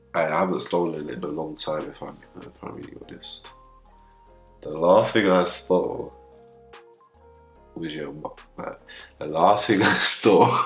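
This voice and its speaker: A man's fairly slow speech with long, frequent pauses and big swings in loudness, over background music. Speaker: YouTuber. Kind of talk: casual talk to camera.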